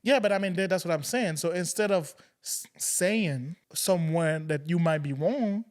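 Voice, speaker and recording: A young man from Haiti co-hosting a podcast, his voice a little higher than most men's. He talks loosely and casually, with frequent fillers. He tells stories in a conversational way. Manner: loose, fast storytelling with fillers like "you know what I mean". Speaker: podcast co-host. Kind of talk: casual chat.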